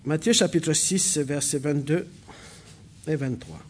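A man from New Caledonia whose first language is a local New Caledonian language, preaching a sermon in a church hall, halting with fillers, then building to emphatic preaching. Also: a little high, a little hiss or hum.

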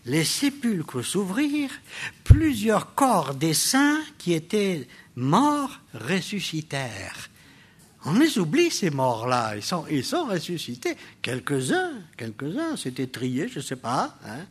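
Older man, preacher, sermon, high voice, very lively melody, loud bursts and low asides. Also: slow, slightly rough. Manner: animated, swings from loud exclamations to low asides; addresses the congregation with rhetorical questions.

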